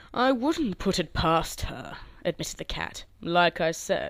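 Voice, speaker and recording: In a very clean recording with a silent background, a woman uses a put-on character voice at medium pitch and a fairly slow pace. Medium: read story. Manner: dry, superior.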